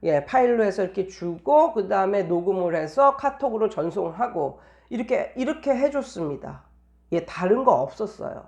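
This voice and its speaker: A woman's voice: medium pitch, lively intonation, moderate pace, a little mellow, muffled recording. A woman tutor talking casually in an anecdotal monologue, explaining things and repeating phrases for emphasis. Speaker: private English tutor giving teaching tips.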